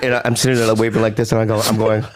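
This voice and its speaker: A man hosting a podcast, telling a story in casual chat, animated and profane, laughing often. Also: on the low side, racing, slight background noise.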